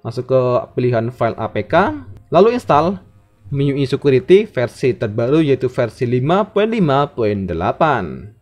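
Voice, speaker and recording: A man's voice: medium pitch, very animated, moderate pace, darkish tone. A man hosting a tech tutorial in methodical, scripted narration. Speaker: tech channel host. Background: background music.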